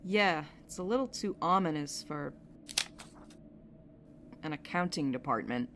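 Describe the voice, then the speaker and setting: A woman plays a tough, sceptical sidekick with a fairly low voice. She is dry and blunt but loyal, in an audio drama scene with clear ambient noise underneath. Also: animated, unhurried, fairly bright tone, full character voice. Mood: wary, dry. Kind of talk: audio drama podcast acting. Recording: clear background noise, ambient sound bed.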